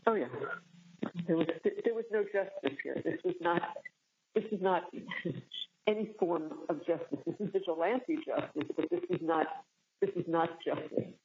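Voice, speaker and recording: A woman's voice: lowish voice, moderate pace. An older woman chatting sympathetically on a phone call, agreeing emphatically and repeating her phrases. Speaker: person on a jail phone call. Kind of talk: casual sympathetic phone chat. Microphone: telephone. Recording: faint, dull lo-fi recorded phone call.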